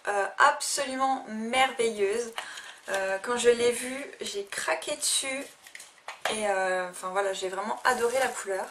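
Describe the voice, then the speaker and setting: A young woman with a slightly high, bright, forceful voice casually reviews makeup she bought, speaking hesitantly with lots of fillers and restarts. She's a beauty vlogger, and the recording has faint noise and sounds a little distant from the mic.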